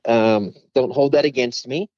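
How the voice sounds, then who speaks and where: A man from Southern California, a guest on a podcast, telling his story in a halting way with many fillers. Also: medium pitch, darkish tone, dry recording. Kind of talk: casual interview. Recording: dull lo-fi sound.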